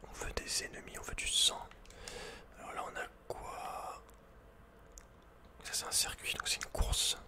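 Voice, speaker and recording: A man's voice: unhurried, long pauses. Whispering man doing gaming ASMR. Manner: whispering throughout. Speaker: ASMR gamer host. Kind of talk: whispered ASMR video game playthrough.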